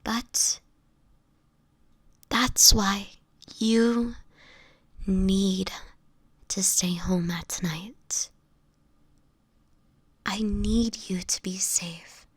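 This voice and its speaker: A woman playing a slow, breathy, sickly vampire woman. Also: medium pitch, steady tone, dry recording. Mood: anxious pleading. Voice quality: breathy, often dropping to a whisper. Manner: halting, pleading, fragile. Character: sickly homeless female vampire, anguished, guilt-ridden, protective. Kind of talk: dramatic audio roleplay monologue.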